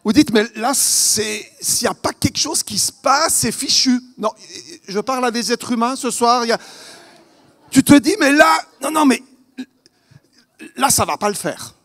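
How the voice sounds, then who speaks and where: A man with a Vaud Swiss French accent preaching a sermon at a church conference, earnest and questioning, swinging between loud emphasis and hushed lines. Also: extremely high pitch, animated, normal speed, long pauses. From Vaud, Switzerland.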